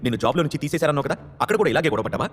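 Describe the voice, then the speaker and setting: A man's voice: on the high side, expressive, racing, long reverb tail, lightly acted. A man voicing a proud, angry young woman from a wealthy family who answers sharply and dismissively.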